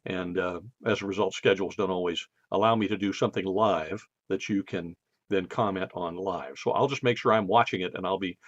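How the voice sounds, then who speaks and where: A man's voice: low-pitched, fairly even intonation, a little fast, no room sound, highs cut off. An American man hosting a podcast in a casual monologue, his speech slightly slurred by a numb mouth after dental work. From United States. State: left side of face numb from dental visit. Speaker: podcast host.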